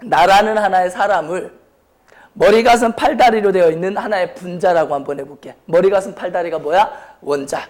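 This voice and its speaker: A male science teacher gives a lecture in a notably high voice. His throat sounds sore and strained. He speaks bluntly and informally, steering the explanation with frequent questions to his students. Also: normal speed, a little mellow. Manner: question-and-answer delivery, repeatedly prompting students. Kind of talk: high school chemistry lecture.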